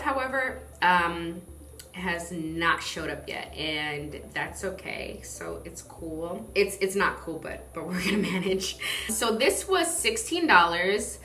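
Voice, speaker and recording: A woman's voice: on the low side, sharp tone, roomy sound, slight background noise. A woman from the southern United States chatting casually to camera as a skincare reviewer, in a bubbly, playful manner. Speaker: skincare vlogger and product reviewer.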